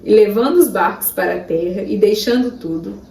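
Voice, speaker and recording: A woman's voice: medium pitch, brisk, vocal fry, darkish tone. A woman giving an earnest, emotional gospel reflection that rises to emphatic bursts. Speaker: Christian speaker. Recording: roomy sound from a distance.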